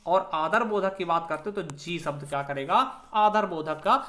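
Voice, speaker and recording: A man teaching an exam-prep grammar lesson. He explains step by step, keeps checking in with the listener, and slows down to stress each example word. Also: on the high side, a bit bright. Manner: stresses example words and slows down over them.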